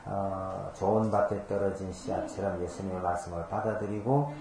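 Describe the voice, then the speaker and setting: A man's voice: low-pitched, moderate pace, creaky, darkish tone, reverberant, slight background noise. A man preaching a conversational sermon, explaining scripture patiently with homely examples and rhetorical questions. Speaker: pastor. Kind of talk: conversational Bible-teaching sermon.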